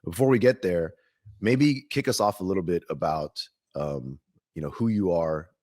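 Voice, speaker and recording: Low, husky-voiced eager male host. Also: moderate pace, a little mellow, no echo, clean studio sound. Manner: eager, curious, rambling questions. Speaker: podcast host. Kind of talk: casual interview.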